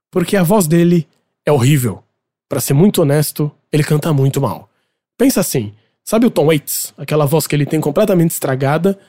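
Brazilian male podcast host, mellow timbre, talks music in a loose, opinionated way. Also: a little high. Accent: Brazilian Portuguese. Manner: chatty, opinionated, explanatory. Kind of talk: casual music commentary.

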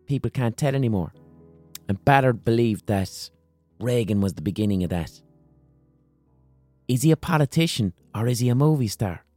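A hoarse man with an Irish accent hosting a solo podcast, talking passionately, swearing and throwing out rhetorical questions. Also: mid-range voice, lively intonation, moderate pace, long pauses, warm tone, no echo, soft background music. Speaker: podcast host.

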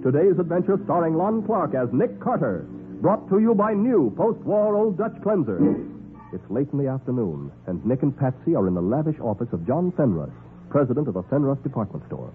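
A man's voice: on the high side, big pitch swings, brisk, narrow, tinny audio, slight background noise. A man announcing a 1940s radio show in a formal, emphatic scripted style, on an old broadcast recording.

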